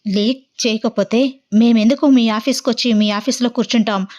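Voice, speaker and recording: A woman's voice: on the high side, steady tone, moderate pace, darkish tone, dull audio, natural voice. Woman voicing a stern male business client. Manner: serious, accusing.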